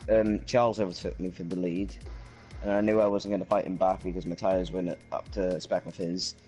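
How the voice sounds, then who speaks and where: A man from Wales with a fairly low voice answers questions as a racing driver. He speaks casually, with faint music behind him. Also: level tone, a little fast, dark tone, highs cut off. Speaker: racing driver being interviewed. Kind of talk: casual post-race interview.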